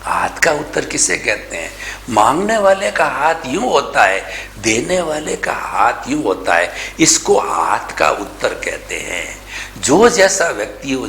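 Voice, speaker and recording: A man delivering a slow, deliberate spiritual discourse, his voice bright and rising and falling in wide swings. He presses his points home with rhetorical questions and the odd English phrase. The recording has an echoey room sound with a faint hum of ambience. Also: on the low side. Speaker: spiritual teacher.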